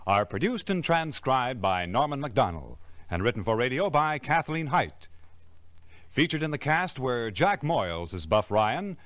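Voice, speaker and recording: American guy doing old timey radio announcer promos, super animated and punchy, dry studio sound. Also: mid-range voice, dry recording. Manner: polished, emphatic. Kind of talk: 1950s network radio announcing, scripted promos and credits.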